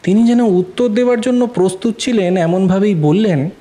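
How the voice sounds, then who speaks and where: অভিনেতার কণ্ঠে একটু উঁচু, কোমল গলার পুরুষ কথক. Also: male voice, high-pitched, normal speed, dark tone, close to an everyday voice. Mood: curious, measured. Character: curious male listener narrating the framing story. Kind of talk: scripted audio-story narration.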